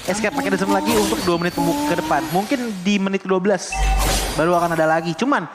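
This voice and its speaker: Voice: mid-range voice, fast talker. An esports commentator with an Indonesian accent, giving live analysis of a game. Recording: loud music behind the voice. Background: music.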